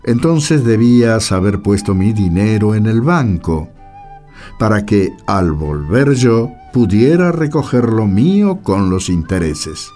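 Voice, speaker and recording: A man acting a slow, solemn, stern master. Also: lowish voice, very animated, mellow, faint music behind. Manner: solemn, deliberate, emphatic. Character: stern master rebuking a lazy servant, solemn parable reading. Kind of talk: religious radio theatre.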